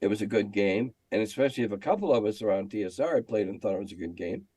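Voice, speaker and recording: A man's voice: fairly low pitch, animated, rapid-fire, mellow, slightly rough, no room sound. An older man reminiscing casually in an interview, speaking emphatically and repeating phrases to make his point. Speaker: game designer and magazine editor guest.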